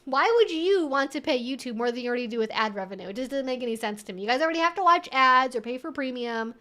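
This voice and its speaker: A woman's voice: high voice, animated, fast, sharp tone. A woman hosting a casual livestream Q&A, talking conversationally and emphatically as she thinks aloud. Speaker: livestream host. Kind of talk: casual Q&A livestream chat, reading viewer comments.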